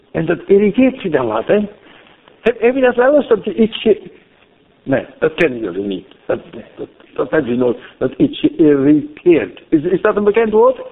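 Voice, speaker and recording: An older man preaching a sermon in a high voice. He keeps asking his listeners questions and repeats words as he builds up to them. The sound is thin and phone-like. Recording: tinny phone-like recording.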